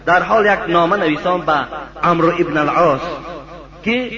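A man preaching a sermon, telling a story in an animated way and turning to address his listeners directly. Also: sits high. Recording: dull lo-fi recording with crowd behind.

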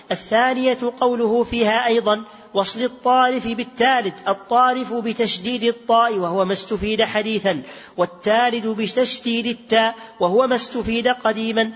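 A man reading a text aloud to his teacher in a steady recitation, correcting his own slips now and then. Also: very high-pitched, brisk. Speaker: student reader. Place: large mosque hall. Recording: reverberant hall, dull lo-fi sound.

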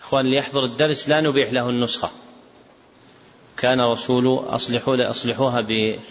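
A man's voice: mid-range voice, steady tone, rapid-fire, fairly bright tone. Guy teaching a class, telling students what to fix, dull echoey hall sound. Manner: instructive, directing students, spells out corrections. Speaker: teacher of a hadith text class. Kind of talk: classroom lesson with corrections.

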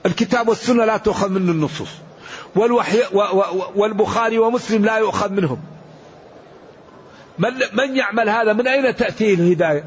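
High-voiced man giving emphatic Quran commentary. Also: quick pace, husky, dull audio. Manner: earnest, emphatic preaching with quoted scripture. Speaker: Quran teacher.

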